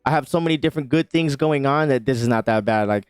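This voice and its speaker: A man's voice: mid-range voice, quick pace, clear, resonant tone, no room sound, soft background music. A man co-hosting a podcast and chatting casually, a father and husband who rambles loosely, swears freely and keeps asking "you know what I mean". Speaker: podcast co-host.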